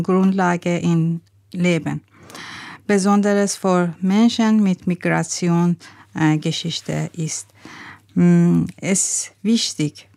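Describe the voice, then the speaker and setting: Woman guest with an Iranian accent, slow and hesitant, dry close sound. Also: medium pitch, a little mellow, no echo. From Iran. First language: Farsi and Azeri. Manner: halting, with frequent fillers and pauses. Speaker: health navigator guest. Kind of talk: radio interview.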